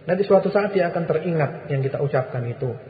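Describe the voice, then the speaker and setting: A man's voice: a little high, expressive, fast talker. Firm preacher man in an echoey hall. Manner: firm, repetitive, exhorting. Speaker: Islamic preacher answering questions. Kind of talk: sermon Q&A. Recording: echoey hall, muffled lo-fi recording.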